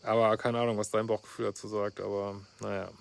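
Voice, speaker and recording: A man's voice: lowish voice, flat delivery, fast, creaky. Blunt, sarcastic male therapist vlogger. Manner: blunt, sarcastic, frequent "ne?" tags and fillers. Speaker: couples therapist commenting on a viewer's letter. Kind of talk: casual reaction vlog, reading out and commenting.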